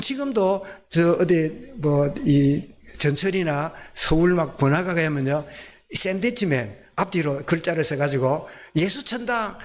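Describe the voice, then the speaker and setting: A male pastor with a Gyeongsang accent preaching a sermon in a folksy way, often asking his congregation questions. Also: on the high side. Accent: Gyeongsang Korean.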